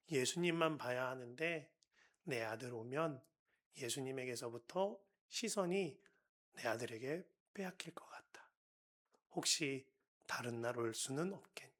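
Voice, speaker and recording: Young male pastor, slightly high voice, tells a sermon story with dramatic loud and whispered turns in a church. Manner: dramatic swings from loud urgency to hushed whispers. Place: church sanctuary.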